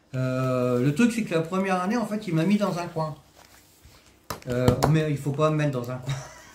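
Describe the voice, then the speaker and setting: Noticeable background noise behind a man with a fairly high pitch. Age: 50s. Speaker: parrot owner. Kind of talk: casual talk to camera.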